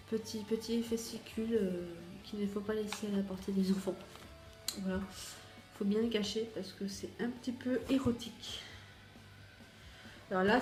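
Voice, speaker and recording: Chatty French woman in an echoey room. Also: mid-range voice. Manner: chatty, hesitant with many fillers. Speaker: beauty vlogger. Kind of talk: casual chat unboxing. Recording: echoey room with faint music.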